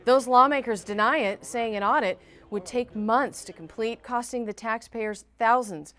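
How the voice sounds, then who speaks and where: A woman's voice: on the high side, normal speed, fairly bright tone. A woman with an American accent reading scripted news in a formal, emphatic newsreader delivery. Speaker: news reporter and anchor.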